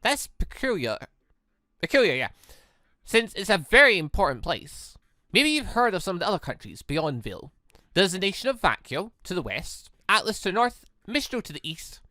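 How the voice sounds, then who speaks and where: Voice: medium pitch, sing-song, moderate pace, bright, forceful tone, dry recording. A narrator voicing a cheerful, polite young robot girl in a visual novel, speaking in a chirpy, formal, matter-of-fact way. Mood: helpful, precise.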